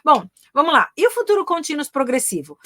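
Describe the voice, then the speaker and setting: A Brazilian woman with a fairly high voice teaches English grammar in a live online class. She talks in a chatty, encouraging way, tagging nearly every phrase with a quick check-in to her viewers. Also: big pitch swings, bright, forceful tone. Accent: Brazilian Portuguese. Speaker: English teacher and career mentor.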